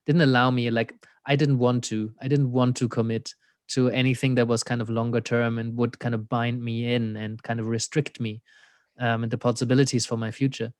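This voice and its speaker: Sitting in on a reflective, conversational interview, a man with a German accent works as an existential coach and speaks thoughtfully, often laughing and relying on "you know." The recording is dry, and his voice is medium in pitch.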